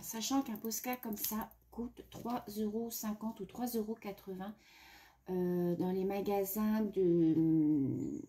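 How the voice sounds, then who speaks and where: A woman's voice: medium pitch, noisy background. A woman vlogger chatting casually about art supplies, sniffling from a runny nose and hesitating often. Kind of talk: casual chat.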